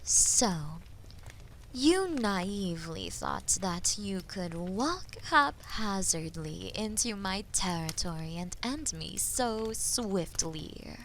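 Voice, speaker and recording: A woman voicing a haughty, menacing female dragon in a fantasy audio roleplay, taunting and condescending, with a breathy voice that often drops toward a whisper. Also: mid-range voice, big pitch swings, fairly bright tone, slight background noise, heavily acted, low-quality recording. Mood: mocking, amused. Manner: taunting, condescending, theatrically slow and deliberate. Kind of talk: scripted fantasy audio roleplay addressed to the listener.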